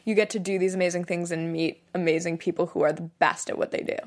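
Woman, lowish voice, upbeat casual film-chat co-host, lots of "like". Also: fairly even intonation, quick pace. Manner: upbeat, says "like" often. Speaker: podcast co-host.

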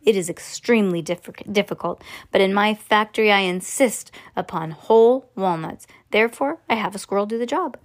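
A woman reading aloud and voicing an eccentric, excitable man who runs a candy factory, brisk and showy. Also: mid-range voice, natural voice. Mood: explaining. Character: eccentric excitable male chocolatier, middle-aged.

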